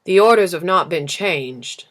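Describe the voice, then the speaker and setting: A woman's voice: lowish voice, expressive, measured pace, fairly bright tone. A woman voicing a weary, complaining lamplighter in a storybook, bound by orders, with a clipped, emphatic manner. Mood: aggrieved. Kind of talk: storybook character reading.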